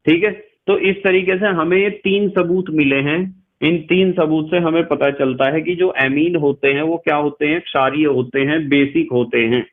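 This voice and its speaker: A middle-aged man with a western Uttar Pradesh Hindi accent, teaching chemistry as a lecture, explaining slowly, repeating key phrases and quizzing his students. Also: a little high. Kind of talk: classroom lecture. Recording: tinny phone-like sound.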